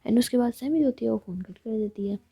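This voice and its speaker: Give me a woman narrating a story in a hushed, husky, dark voice. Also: on the high side, fast, no room sound. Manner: hushed, half-whispered delivery. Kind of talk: soft-spoken storytelling.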